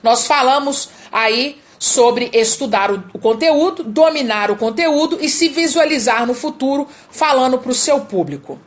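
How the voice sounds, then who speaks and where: A woman's voice: high-pitched, expressive, unhurried, few pauses. A Brazilian woman coaching public speaking in a live lesson, emphatic and repeating key words for stress. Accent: Brazilian Portuguese.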